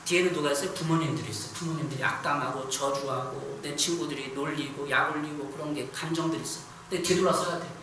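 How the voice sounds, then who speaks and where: High, bright-voiced preaching man. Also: steady tone, fast, hardly any pauses, distant mic. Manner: emphatic, rhetorical questions to the congregation. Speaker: pastor. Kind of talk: sermon. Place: church sanctuary. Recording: echoey hall, voice from off the mic, faint noise.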